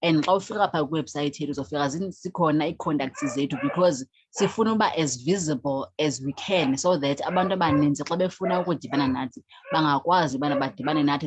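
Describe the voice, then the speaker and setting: A woman's voice: low voice, noisy background. A woman with a South African Xhosa accent speaking as an interview guest, switching between languages. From South Africa, Eastern Cape. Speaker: guest, founder of a youth organization. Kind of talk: interview talk, mixing languages.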